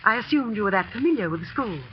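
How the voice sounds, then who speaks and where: A woman's voice: medium pitch, lively intonation, quick pace, slight background noise, close to an everyday voice. An actress playing an older woman, a school housekeeper who hesitantly confides gossip, in a 1940s radio drama. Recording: muffled 1940s radio broadcast.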